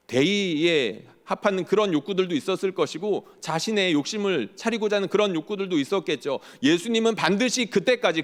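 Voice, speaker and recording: A male pastor preaching a sermon in earnest, often posing rhetorical questions to the congregation. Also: high voice. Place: church sanctuary. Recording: long church hall reverb.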